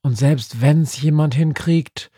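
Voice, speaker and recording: A man's voice: a little high, slow pace, mellow, husky, dry recording, clean studio sound, pitched above the performer's own voice. A man voicing a grumpy, stubborn old female Christmas witch. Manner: cranky, stubborn.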